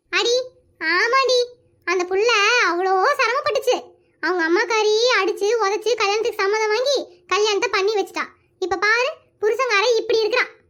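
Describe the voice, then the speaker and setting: A woman's cartoonish character voice, extremely high in pitch, at a moderate pace with very even loudness. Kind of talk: rural Tamil comedy. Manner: brusque, familiar.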